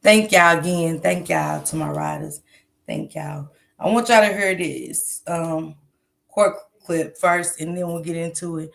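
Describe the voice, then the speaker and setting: A woman with a somewhat low voice and a stuffy nose, hosting a relaxed livestream. She talks straight to her viewers in a chatty, loose way, with plenty of ums. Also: a little slow, creaky. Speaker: true crime commentary host. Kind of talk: casual livestream commentary.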